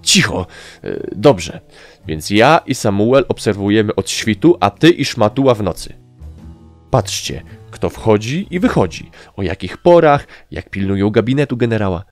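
A man's voice: lowish voice, big pitch swings, normal speed, faint music behind, pitched above the performer's own voice. A man voicing a bossy male sprite squad leader who gives orders impatiently. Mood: commanding. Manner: commanding, impatient.

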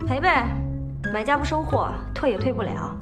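An actress playing a feisty young woman seller, confrontational and sharp-tongued in film dialogue. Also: high-pitched, big pitch swings, moderate pace, reverberant, music in the background. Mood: accusing. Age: young adult. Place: cluttered small indoor stockroom.

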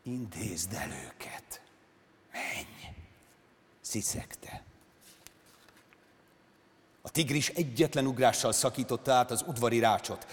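An actor performing a dramatic literary reading on stage, with slow, measured phrasing. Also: male voice, mid-range voice. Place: large concert hall on stage. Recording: reverberant concert hall.

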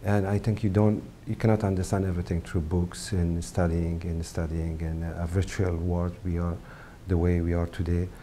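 A middle-aged man from Afghanistan, a photographer, speaking English as a second language in a halting interview to camera with many pauses and fillers. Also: sits low, level tone, mellow, slight background noise. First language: not English. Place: indoor studio set with brick wall.

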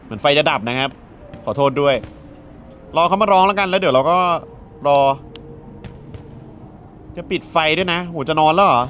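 A man's voice: fairly high pitch, moderate pace, pauses often, fairly bright tone, slight background noise. A man playing through a video game, joking around and reading the dialogue aloud as he goes. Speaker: gaming YouTuber. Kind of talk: let's play commentary.

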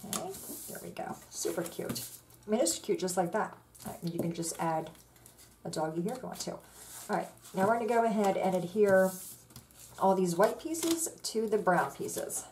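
A woman with a medium-pitched voice and moderate pace walks viewers through making a card, chatting casually with fillers. The casual crafting demo takes place indoors at a craft table, shot from overhead to show only her hands, with background noise.

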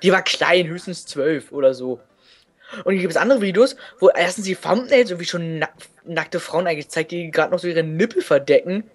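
A man's voice: a little high, lively intonation, a little fast. A man co-commenting a let's play, joking and rambling in casual gaming chat.

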